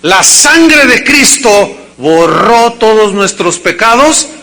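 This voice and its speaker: A male pastor delivering a sermon to a congregation, with dramatic acted quotes and sudden shouts. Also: high-pitched, sing-song, slow pace. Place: church service before a congregation.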